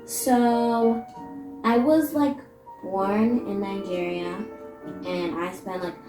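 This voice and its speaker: A young woman with a Canadian accent chats in a mid-pitched voice, taking her time. Her talk is loose and halting, full of filler "like". Music plays clearly behind her in an echoey room. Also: fairly even intonation. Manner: halting, peppered with "like". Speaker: co-host. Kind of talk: casual chat.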